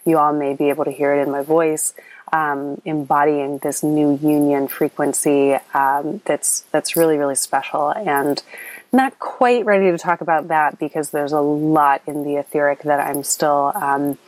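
A low-pitched woman with a slight lilt, hosting a spiritual podcast. She talks earnestly and wanders, with ums and restarts, her voice a bit scratchy. It is recorded close and dry on a recording app. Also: steady tone, moderate pace, no echo. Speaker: podcast host. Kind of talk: spiritual coaching podcast monologue. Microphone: app recording, close mic.

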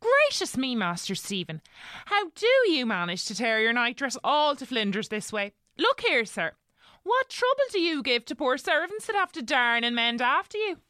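Fussy kind old-time housekeeper, rural english accent, chatty, swoops up and down, highish voice, audio drama. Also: female voice, very animated, normal speed, pushed and bright, dry recording, clean studio sound, exaggerated voice. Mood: scolding. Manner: chatty, colloquial servant's storytelling. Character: kindly, fussing, gossipy old-fashioned housekeeper woman.

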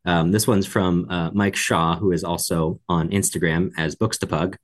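A man's voice: deep voice, fairly even intonation, moderate pace. A man co-hosting a podcast, talking through a book conversationally in an analytical way, carefully qualifying his points. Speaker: podcast co-host.

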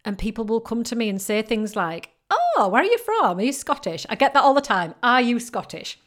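A woman's voice: a little high, very animated, fairly quick, fairly bright tone. A woman with a northern English accent, giving an emphatic, motivational business-coaching talk. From northern England. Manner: emphatic, repetitive encouraging delivery. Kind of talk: motivational podcast monologue.

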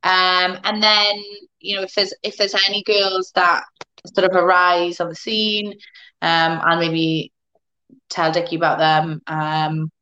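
A woman's voice: lowish voice, level tone, measured pace, sharp tone, muffled recording. A woman chatting as an interview guest, phrasing hesitantly, over a phone video call. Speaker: professional fighter, interview guest. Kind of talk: casual interview chat.

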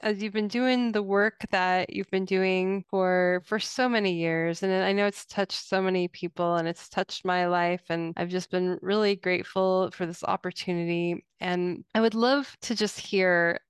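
Woman, slightly low pitch, slow pace, very resonant, affirming co-host, conversational interview. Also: steady tone, clean tone, no echo, studio quality. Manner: affirming, frequent soft agreement.

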